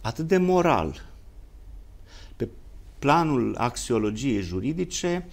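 A man with a Romanian accent speaking as a guest commentator in a formal political discussion, using elaborate, lofty academic phrasing with long pauses. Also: medium pitch, big pitch swings, creaky.

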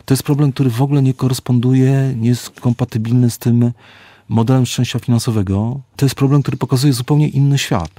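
A middle-aged man, an author and psychologist, giving reflective, measured interview answers and slowing down to stress key words. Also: mid-range voice, fairly even intonation, dark tone, no room sound.

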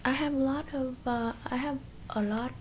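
A woman's voice: high voice, steady tone, moderate pace, a little hiss or hum, voice pushed up, close to an everyday voice. A young woman in an ASMR role-play, voicing a blunt, boastful makeup doctor with a put-on Asian accent and broken English. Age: young adult. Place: small bedroom indoors. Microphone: close desktop microphone with foam cover.

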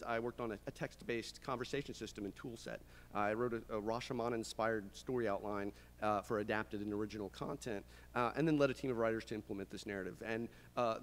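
A man in his thirties giving a conference presentation as a game writer, hesitant and often restarting his sentences. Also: on the low side. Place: medium conference room, indoors. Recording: reverberant conference room, clear background noise.

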